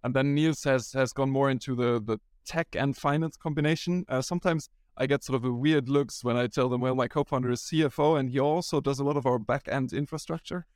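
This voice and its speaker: A man's voice: medium pitch, a little fast, few pauses, clear, resonant tone, no room sound, clean studio sound. A man from Germany, a startup founder, talking casually in an interview and often restarting his sentences with "um". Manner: rambling, frequent restarts and ums.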